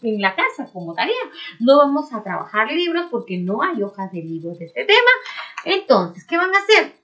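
A woman teaching a remote lesson to four-year-olds, speaking slowly in a sing-song way and chanting syllables for the children. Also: a little high, big pitch swings, bright, forceful tone. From Peru. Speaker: preschool teacher.

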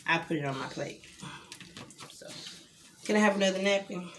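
Young mom w/ chatting over dinner, noisy home camera audio. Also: female voice, mid-range voice, normal speed. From Louisiana. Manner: chatty, coaxing a toddler to eat. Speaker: family vlogger. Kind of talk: casual mealtime vlog chat. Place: home dining table. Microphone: camera set back from the table.

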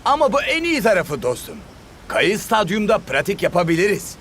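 A man's voice: high voice, wildly swooping pitch, moderate pace, a bit bright, a little hiss or hum, full character voice. A man voicing a reckless, overconfident young footballer in a cartoon dub. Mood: cocky. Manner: breezy, overconfident. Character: reckless, cocky teen footballer. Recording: studio dub with music behind.

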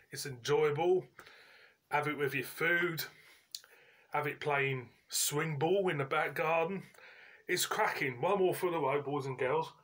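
A man, giving a casual, chatty review in colloquial, halting phrases as host. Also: fairly high pitch, a bit bright. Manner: informal, colloquial, pauses mid-sentence. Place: indoors, living room at home.

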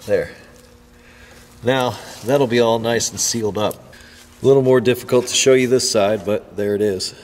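A man's voice: medium pitch, moderate pace, long pauses. A man casually demonstrating a car repair step by step while he works, talking as he handles parts. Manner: relaxed, talks while working with hands. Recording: long reverb with faint background noise.

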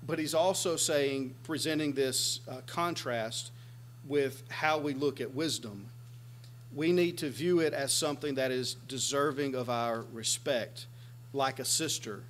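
A man's voice: medium pitch, unhurried. A man in his forties preaching a sermon in a small church room, earnestly explaining scripture and gesturing as he talks. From United States. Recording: faint background hum.

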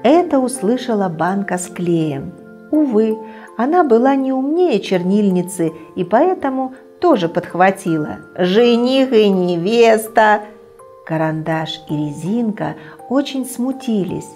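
Middle-aged female storyteller, gentle and expressive, studio read with faint music. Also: mid-range voice, a little slow. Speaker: children's TV storyteller. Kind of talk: reading a bedtime story aloud. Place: indoor TV studio set, children's room.

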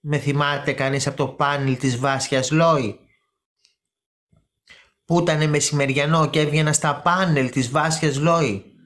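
A woman's voice: sits low, steady tone. A woman hosting a casual live stream, chatting and gossiping with her viewers, calling them by name and repeating words for emphasis.

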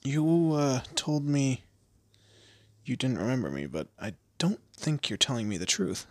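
A man playing a weary, wry kidnapped guy in a roleplay audio drama, speaking haltingly and conversationally. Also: mid-range voice, animated, no echo. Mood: hesitant, curious. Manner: hesitant, halting, sardonic.

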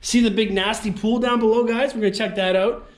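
A man, excitedly talking to viewers while exploring an empty abandoned house on an action camera. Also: high-pitched, fairly quick. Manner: excitable, keeps calling out to viewers. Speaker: urban explorer vlogger. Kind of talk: casual exploring vlog to camera. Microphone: handheld action camera.

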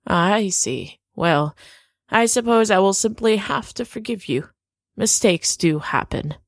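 Slow, genteel, quietly menacing lady played by an actress. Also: mid-range voice, expressive, no echo, clean studio sound. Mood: composed. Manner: slow, polite, measured, veiled threat. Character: genteel, coolly menacing woman, a veiled witch. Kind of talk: audio drama acting.

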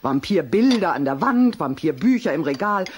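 A reproachful middle-aged mum in a children's audio drama. Concerned and pointed, the voice rises and falls a lot over clear noise and dishes. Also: female voice, sits low, sing-song, moderate pace. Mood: sceptical, reproachful.

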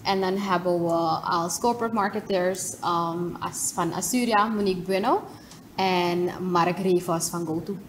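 A woman's voice: fairly low pitch, steady tone, moderate pace. Casting: young woman, Surinamese accent, casual organiser interviewed in a studio, slight background noise. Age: young adult. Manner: informal, mixes English words into speech. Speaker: guest, event organiser. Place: TV studio, seated at desk.

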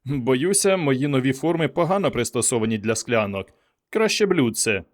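A man voicing an elderly genius professor whose mind now lives in a dog's body, speaking hoarsely and carefully. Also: mid-range voice, lively intonation, moderate pace, lightly acted. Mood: wry.

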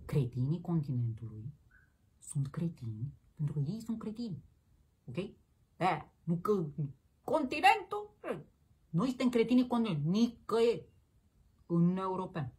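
Husky, animated woman ranting. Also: lowish voice, pauses often. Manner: combative, crude and mocking, peppered with slang address. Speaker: political commentary host. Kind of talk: ranting political commentary.

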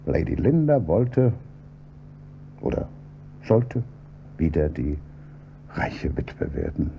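An actor playing an insistent police inspector in a German radio crime drama, questioning in a measured, pointed way. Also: male voice, sits low, very animated, gravelly, dark tone, full character voice. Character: probing male police inspector, calm and insistent. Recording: dull old radio recording with faint hum.

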